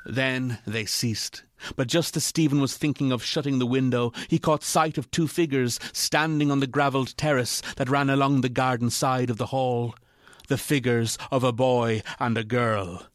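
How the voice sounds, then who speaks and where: A man narrating a classic ghost story from a script in a measured, literary storytelling manner. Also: medium pitch, a bit bright, slight background noise.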